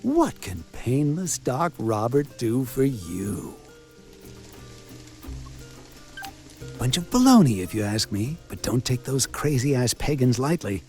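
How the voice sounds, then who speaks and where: An actor voicing a sardonic, wisecracking village doctor and coroner in a video game, with a theatrical delivery. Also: male voice, medium pitch, sing-song, measured pace, few pauses, darkish tone, faint music behind. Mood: scornful. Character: sarcastic village doctor and coroner, self-styled man of science. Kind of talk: video game character acting.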